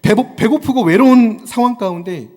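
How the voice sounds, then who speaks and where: A man's voice: very high-pitched, normal speed, a little mellow, in a large hall. A man in his thirties preaching a Sunday sermon, building to fervent exhortation and acting out little quotes.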